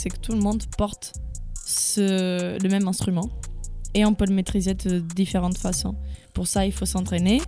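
Mellow-voiced woman. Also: fairly low pitch. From Portugal. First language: Portuguese. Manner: hesitant, many fillers. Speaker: guest beatboxer. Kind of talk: casual interview chat.

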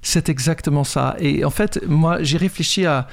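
A man from the Netherlands, a native Dutch speaker, speaking as a guest in a conversational interview, earnest and animated with frequent hesitations and restarts. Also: fairly high pitch, normal speed, creaky. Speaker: guest, author.

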